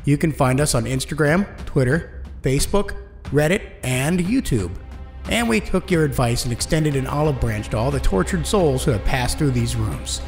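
A man's voice: medium pitch, lively intonation, moderate pace, creaky, soft background music. A man reading scripted credits and announcements as a podcast host. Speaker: podcast host and audio engineer.

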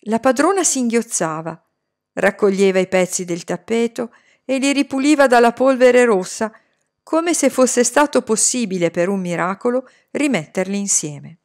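A woman narrating a novel chapter in the first person, measured and expressive. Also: on the high side. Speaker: audiobook reader. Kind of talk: scripted narration.

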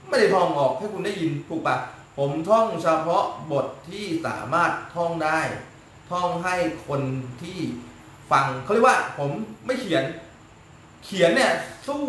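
A man's voice: high voice, pushed and bright. A man speaking as a spiritual teacher on a casual live stream, lecturing bluntly and crudely and often asking his listeners "right?". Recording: very echoey room with faint noise.

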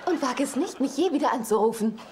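High-voiced, dismissive sitcom woman. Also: lively intonation, quick pace. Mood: irritated, dismissive. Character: irritated, dismissive woman rejecting a man. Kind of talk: German-dubbed sitcom acting. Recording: noisy sitcom soundtrack.

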